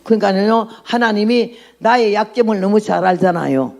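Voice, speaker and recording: Gravelly-voiced woman in her nineties preaching. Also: medium pitch, animated, normal speed, a little mellow. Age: 90s. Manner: blunt, outspoken, laughs at her own jokes, asks the audience questions. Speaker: missionary preacher. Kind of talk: sermon and testimony to a congregation.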